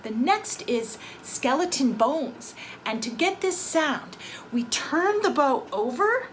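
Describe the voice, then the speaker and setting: A woman violin teacher explaining techniques gently and clearly, and telling a short spooky story with growing emphasis, with violin playing between her phrases. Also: sits high, lively intonation, slow pace, a little hiss or hum, poor audio. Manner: storytelling with rising dramatic emphasis. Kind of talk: violin lesson with a told story. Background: violin sound effects between phrases.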